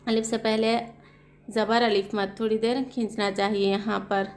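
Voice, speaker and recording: A woman Quran reading teacher with a South Asian Urdu-Hindi accent, slowly spelling out letters and vowel marks and explaining the rules with questions. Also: medium pitch, little pitch movement, a little mellow. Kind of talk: slow spelled-out recitation lesson.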